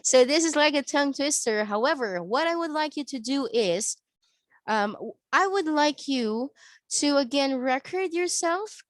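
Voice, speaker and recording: A woman language trainer giving an online lesson, reading aloud and instructing in a careful, deliberate manner. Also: high voice, expressive, no room sound. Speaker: call center language trainer.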